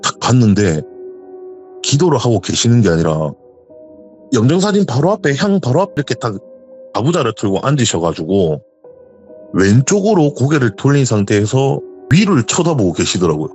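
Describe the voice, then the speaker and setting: A man's voice: mid-range voice, normal speed, faint music behind. A man, casually telling a true ghost story and acting out the voices of the people in it. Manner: animated retelling, acts out quoted voices.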